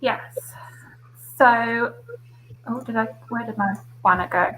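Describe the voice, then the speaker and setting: A woman's voice: on the high side, slow pace, bright, forceful tone, slight background noise, low-quality recording. A woman hosting a casual video-call discussion, chatty, with a lot of "like" fillers. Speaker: host.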